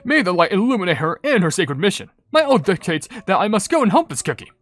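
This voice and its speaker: A commentator puts on a zealous holy knight cookie from a game. The lines are declaimed pompously with animated pitch. There is faint music behind. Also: fast, natural voice. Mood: noble, eager. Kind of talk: reading game cutscene dialogue aloud.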